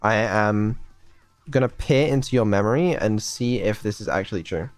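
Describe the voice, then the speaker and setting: A man's voice: on the low side, normal speed, no echo, faint music behind. A man, streaming and quizzing his AI in an exasperated, incredulous way. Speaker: streamer and developer. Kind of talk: casual stream chat.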